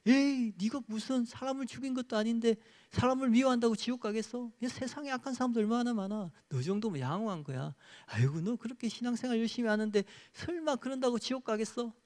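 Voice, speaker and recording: A man voicing a sly male devil who coaxes and waves away sin in a quiet, dismissive tone. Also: very high voice, lively intonation, fast, hardly any pauses, pitched above the performer's own voice. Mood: coaxing. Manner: coaxing, dismissive. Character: sly whispering male devil tempting believers.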